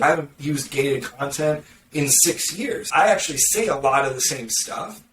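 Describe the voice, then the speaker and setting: A man's voice: mid-range voice, fairly bright tone. Sarcastic guy chatting on a podcast, kinda far from the mic, echoey room, a little hiss behind. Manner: sarcastic, snarky, acts out quoted reactions. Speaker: podcast guest, marketing consultant. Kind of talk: casual podcast conversation. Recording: roomy, distant mic with faint background noise.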